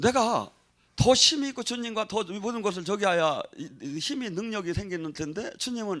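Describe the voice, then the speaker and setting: A high-pitched man speaks at a moderate pace with lively intonation in a very clean recording with a silent background. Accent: slight Chungcheong. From Chungcheong province, Korea. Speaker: pastor. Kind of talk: sermon. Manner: stutters a little.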